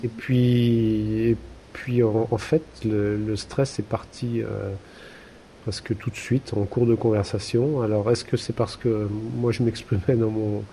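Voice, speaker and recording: A low-pitched man with a gravelly, mellow voice chats casually on a podcast. He hesitates often, stringing his thoughts together with fillers and restarts. A faint rumble sits underneath. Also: little pitch movement, measured pace. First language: French. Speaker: podcast co-host. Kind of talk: casual conversational chat.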